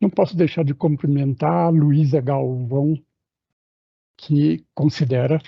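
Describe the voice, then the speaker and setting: This man's voice is fairly high-pitched and somewhat breathy. He talks at a fairly slow pace. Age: 70s. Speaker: webinar moderator, education professor. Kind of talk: moderated webinar introduction. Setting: video webinar at a computer.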